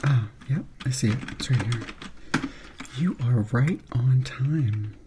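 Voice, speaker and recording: A soft-spoken man doing an ASMR roleplay in an unhurried, reassuring manner. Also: mid-range voice, heavy background noise. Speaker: ASMR performer playing a substitute surgeon.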